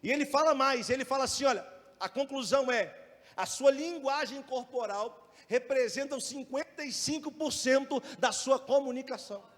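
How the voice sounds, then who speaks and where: A male pastor with a Brazilian Portuguese accent delivers a sermon in a strikingly high voice. His loudness and pace rise and fall, with rhetorical questions aimed at the listeners. Long reverb from the church hall trails behind every line. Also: normal speed.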